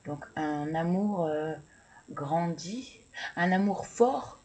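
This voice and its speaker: Slow, low-voiced woman reading cards. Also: expressive, dark tone, poor audio. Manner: hesitant, stammering, thinking aloud. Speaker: tarot and oracle card reader. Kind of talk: casual card-reading video.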